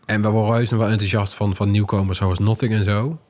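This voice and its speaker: A man's voice: on the low side, flat delivery, fast talker, a little mellow. A man hosting a podcast, chatting casually about technology. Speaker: podcast host. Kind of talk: casual tech podcast chat.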